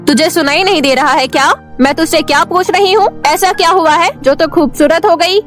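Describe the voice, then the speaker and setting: A woman's voice: high-pitched, normal speed, faint music behind. Woman voicing a cruel sneering aunt. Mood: demanding. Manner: harsh, sneering, shouting. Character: cruel scolding middle-aged aunt. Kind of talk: cartoon story voice acting.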